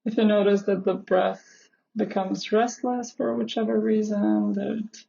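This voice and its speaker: A woman leading a guided meditation in a measured, instructional way, with long pauses between phrases. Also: medium pitch, little pitch movement, gravelly, mellow, muffled recording. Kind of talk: guided meditation, live session.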